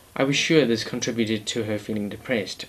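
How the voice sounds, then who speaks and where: A soft-spoken man at medium pitch and moderate pace, with noticeable background noise. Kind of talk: personal story to camera.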